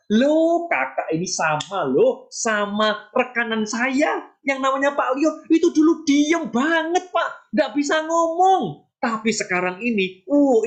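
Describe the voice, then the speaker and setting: A woman gives a motivational training talk as a mentor. Her voice sits fairly high and swings widely in pitch. She is emphatic and chatty, addressing listeners directly and tossing out rhetorical questions. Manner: acts out short sample dialogues.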